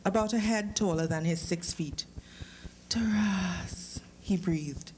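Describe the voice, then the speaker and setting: A woman's voice: lowish voice, rough recording. A woman with a Trinidadian accent, an author speaking and reading her fiction to a live audience with careful phrasing and a playful manner. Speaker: author reading from own short story. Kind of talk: literary reading with informal introduction to a live audience. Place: live lecture event before an audience. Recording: live talk with clear background noise.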